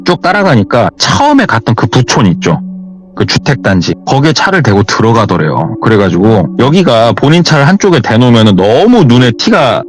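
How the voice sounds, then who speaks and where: A man spinning a true horror tale for a radio show, his voice rising and falling with lively swings. He retells it in a loose, chatty way, full of reported speech. Faint music sits under him. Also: medium pitch. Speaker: horror story narrator.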